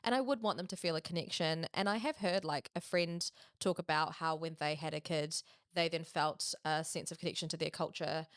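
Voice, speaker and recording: A young woman with a New Zealand accent talks as a podcast guest, thoughtful and hesitant, trailing her sentences with hedges and ums. Her voice sits fairly low, recorded close and dry. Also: brisk, hardly any pauses, fairly bright tone, no echo. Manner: reflective, frequent fillers and hedges. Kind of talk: casual podcast conversation.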